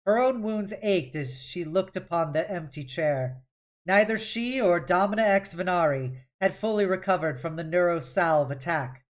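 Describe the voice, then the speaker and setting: Casting: female read-along streamer, lower-pitched voice, dramatic storytelling delivery of prose narration. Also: normal speed. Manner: dramatic, with occasional stumbles and self-corrections. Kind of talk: expressive audiobook-style novel reading.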